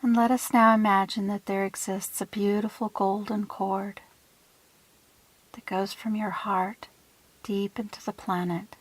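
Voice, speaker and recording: A woman leading a guided visualization in a soothing, hushed manner, with deliberate phrasing and breathy trailing ends. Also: medium pitch, flat delivery, no room sound, rough recording. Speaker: guided meditation leader.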